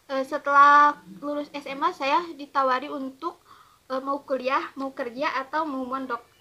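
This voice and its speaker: Her voice raised and projected, a woman speaks at a moderate pace in a high, bright, sharp tone with monotone, flat intonation. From West Java (Cianjur, Sundanese region). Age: 20s. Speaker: Islamic boarding school student. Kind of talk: interview testimony.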